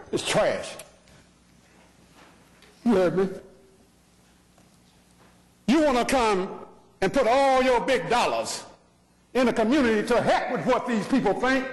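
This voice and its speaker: A man's voice: sits high, sing-song, measured pace, pauses often, a little hiss or hum. A man, an activist giving a fiery, confrontational public comment full of rhetorical questions at a council podium microphone. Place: city council chamber. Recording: long reverb in large chamber.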